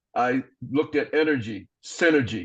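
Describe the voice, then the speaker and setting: A man has an ordinary speaking voice of medium pitch and fairly even intonation, set against a quiet background. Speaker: general evaluator at a speaking club meeting. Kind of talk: meeting evaluation feedback.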